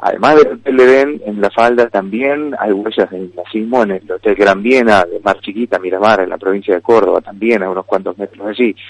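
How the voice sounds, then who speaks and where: With an Argentine accent, the speech runs at a fairly quick pace with hardly any pauses, ordinary pitch variation and a dry, close sound with no echo. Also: man, fairly low pitch for a man. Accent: Rioplatense Argentine Spanish. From Santa Fe province, Argentina. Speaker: writer and journalist. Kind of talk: radio interview.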